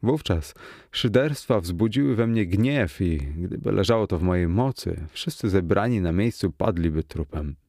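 A man narrating a first-person horror story in a tense, expressive reading, recorded close in a quiet studio. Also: low voice, moderate pace, creaky, no echo. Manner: tense, expressive, rising to cries in the quoted lines. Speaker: audiobook narrator.

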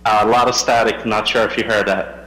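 A man's voice: on the low side, level tone, fast talker, a bit bright. Formal utility rep guy on a call fading in thru static, echoey roomy sound. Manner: polite, formal, hesitant. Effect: remote call audio fading in through static. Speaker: utility company representative. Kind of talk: formal petition statement.

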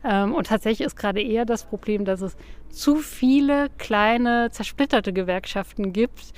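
Thoughtful explaining woman, slightly high. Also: normal speed, clean tone. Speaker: guest speaker. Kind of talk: interview explanation.

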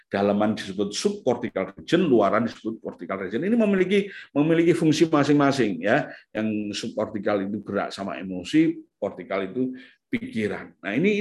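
A man giving an informal seminar talk on parenting and the brain, rambling with many fillers and restarts and rising to emphatic peaks. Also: lowish voice.

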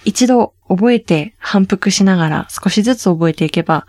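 A woman's voice: medium pitch, expressive, normal speed, a little mellow, no room sound. A woman hosting a casual Korean lesson, explaining patiently and lifting her voice on key words. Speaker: Korean language teacher host. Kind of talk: casual language lesson chat.

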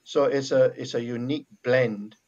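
A man from Barbados with a Bajan accent, speaking as a missionary guest in a casual faith conversation, reflective and halting with many restarts. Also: mid-range voice, steady tone, darkish tone, muffled recording.

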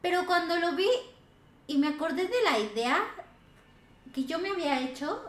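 High-pitched mexican woman podcast host, swears a lot, acts out the dialogue, roomy echo. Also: animated, normal speed. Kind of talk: casual storytelling chat.

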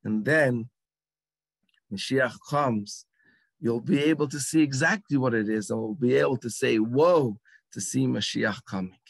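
A man with an English accent tells a story to a gathering, acting out lines and leaning on dramatic pauses. His voice sits at an everyday middle pitch. The sound is dry and close. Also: gravelly, slightly rough, no echo. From England. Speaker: speaker at a gathering. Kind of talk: storytelling talk at a religious gathering.

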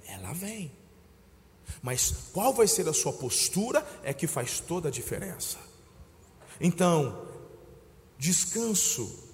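A Brazilian man preaching in a high voice, heard in a church hall with a long reverb. He tells stories and calls his listeners brother, dropping to a hush and then rising to shouts. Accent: Brazilian Portuguese. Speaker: pastor. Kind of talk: sermon.

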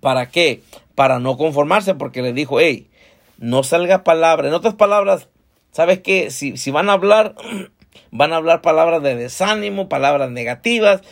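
A man's voice: a little high, moderate pace. A male pastor preaching a sermon conversationally, often calling the congregation brothers and asking them questions.

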